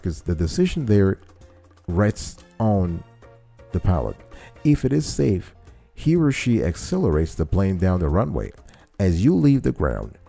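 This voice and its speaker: Low gravelly guy explaining stuff like a show host, lively up and down, faint music behind. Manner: didactic, repeats and restates key phrases. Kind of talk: informal explanatory monologue, addressing listeners.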